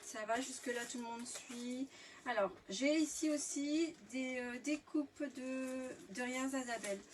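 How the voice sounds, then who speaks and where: Woman, French accent, fairly high voice, chatty craft-tutorial host, slightly distant mic, faint hiss. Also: a little slow. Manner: chatty, many fillers and restarts. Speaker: scrapbooking workshop host.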